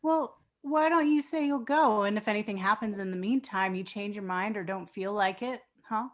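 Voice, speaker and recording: A woman's voice: mid-range voice, normal speed, natural voice. A woman playing an earnest, shy teenage boy. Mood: shy, hopeful. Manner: hesitant, sincere. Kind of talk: dramatic virtual table read.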